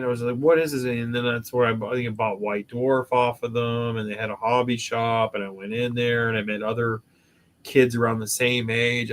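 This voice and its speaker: A man's voice: mid-range voice, slight background noise. Rambling, joking man in his fifties. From Canada. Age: 50s. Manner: rambling, swears and jokes freely. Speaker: podcast host. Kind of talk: casual chat.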